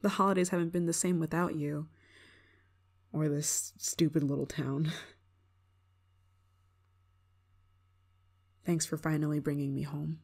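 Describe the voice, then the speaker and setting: Woman acting out a tsundere young woman, lowish pitch, prickly, sighing, homesick, secretly soft, ASMR roleplay. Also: level tone, moderate pace, breathy edge. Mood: tender, wistful. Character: prickly homesick young woman performer, softening toward old friend. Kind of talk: ASMR roleplay, acted monologue to listener.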